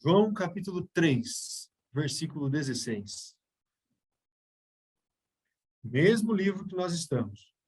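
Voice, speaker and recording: A man's voice: fairly high pitch, expressive, slow pace, long pauses, a little mellow, slightly rough. A man with a Brazilian Portuguese accent teaching a Bible study, explaining step by step and often checking in with his listeners.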